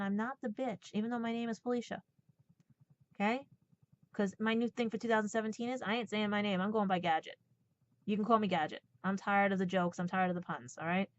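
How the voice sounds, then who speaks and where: A woman in her forties giving a blunt, sarcastic personal rant, swearing and checking in with "right?" and "okay?". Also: a little high. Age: 40s. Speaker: podcast host. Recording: dull, lo-fi sound.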